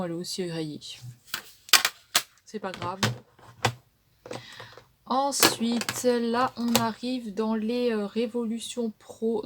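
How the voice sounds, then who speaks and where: A woman's voice: fairly high pitch, very noisy. A woman beauty vlogger casually showing her makeup palettes, chatty and hesitant, with frequent fillers and trailing tags.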